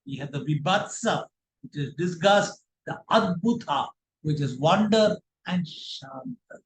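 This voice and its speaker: A man with an Indian accent teaching a public speaking workshop in a deliberate, instructive and emphatic way. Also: fairly high pitch, lively intonation. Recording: roomy, echoing voice pickup.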